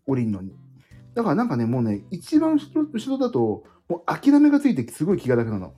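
A man's voice: a little high, wildly swooping pitch, fast, mellow, breathy edge, faint music behind. A middle-aged man hosting a casual solo livestream, rambling and self-deprecating as he jumps between topics. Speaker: livestream host.

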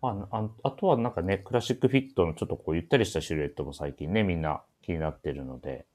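A man's voice: low voice, fast talker, a little mellow. A man hosting a casual talk show, chatting and announcing events with a dry, teasing manner. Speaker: radio show host.

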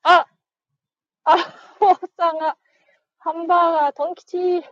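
A woman's voice: very high voice, level tone, a little slow, fairly bright tone, no echo, dull audio. A woman hosting a casual live stream, chatting, laughing and reading listener comments aloud as she thanks each viewer. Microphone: phone.

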